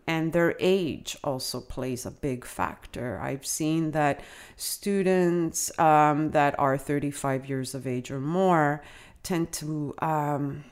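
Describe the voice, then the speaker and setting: Slow, low-voiced woman educator. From Canada. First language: Italian. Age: middle-aged. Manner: reflective, measured, frequent uh and um fillers. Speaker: adult educator, guest. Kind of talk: interview answers.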